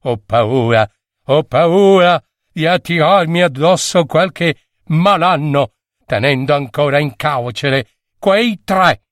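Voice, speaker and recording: A man voicing a worried, timid king in a read-aloud fairy tale, speaking in a lowered, anxious way. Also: lively intonation, slow, no room sound, clean studio sound. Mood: fearful.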